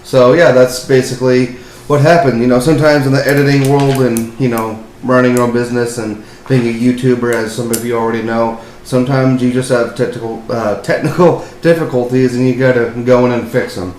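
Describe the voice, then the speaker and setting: A man's voice: mid-range voice, steady tone, fairly quick, few pauses, a little mellow. A young man hosting his own podcast, talking casually and rambling with lots of fillers and apologies. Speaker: podcast host. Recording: echoey room, faint hiss.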